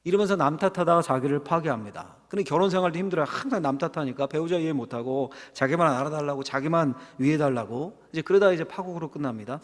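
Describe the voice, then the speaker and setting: A man's voice: on the high side, fast, hardly any pauses. A middle-aged male pastor giving a conversational sermon, asking the congregation questions. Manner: conversational preaching with rhetorical questions and acted quotes. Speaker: senior pastor. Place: church sanctuary. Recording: long hall reverb.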